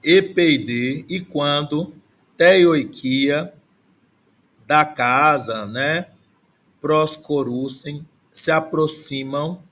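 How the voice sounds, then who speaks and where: A man's voice: a little high, fairly bright tone. A man teaching an ancient Greek class, explaining pronunciation patiently and glossing words one by one, often checking in with "né?". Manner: slow, patient explaining with frequent "né?". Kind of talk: online language class.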